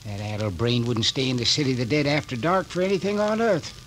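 An actor playing a suspicious old cemetery caretaker, drawling and stubborn, in a 1940s radio drama. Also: male voice, mid-range voice, fast talker, fairly bright tone, close to an everyday voice. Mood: gruff. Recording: old radio recording with faint hiss.

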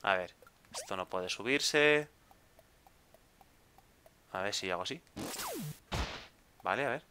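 Lively chatty man gaming. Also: on the low side, takes it slowly, background noise. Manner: chatty, exclaiming, repeats words when stuck. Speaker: gameplay video host. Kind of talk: casual gameplay commentary.

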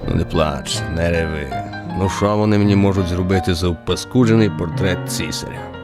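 A man's voice: low voice, moderate pace, pitched below the performer's own voice. A man narrating a radio play voices a cautious, whining, resigned tavern keeper with a pleading, subdued manner. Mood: soothing, resigned. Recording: music under the voice.

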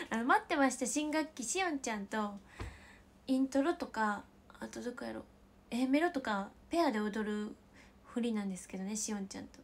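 A woman with a Kansai accent chatting casually with livestream viewers as the host, giggling often and slipping into soft whispered asides. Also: on the high side, expressive, moderate pace. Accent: Kansai Japanese.

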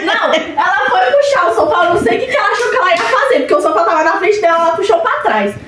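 A woman's voice: very high voice, lively intonation, rapid-fire, very echoey, recorded from a distance, very noisy. A young woman helping out at home, laughing and teasing as she retells what just happened. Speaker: helper in the video. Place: home, indoors.

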